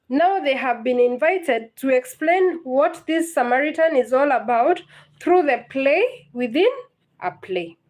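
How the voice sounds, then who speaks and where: A woman's voice: high voice, a little mellow. A woman, teaching literature in a live-streamed lesson, patient and repetitive, often checking whether her students understand. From Kenya.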